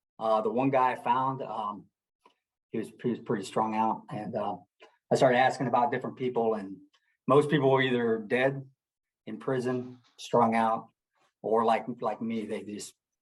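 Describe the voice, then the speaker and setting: A man with an American accent speaks at a moderate pace with long, frequent pauses, his medium-pitched voice holding a fairly even intonation. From Southern California. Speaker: military veteran, rifle match organizer. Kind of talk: podcast interview. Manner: halting.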